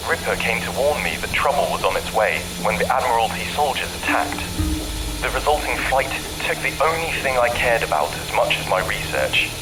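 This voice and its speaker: An actor playing a grave, remorseful scientist and father, delivering a solemn, deliberate confession in an audio drama. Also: medium pitch, sing-song, music in the background, close to an everyday voice. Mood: grieving. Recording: clearly noisy recorded message.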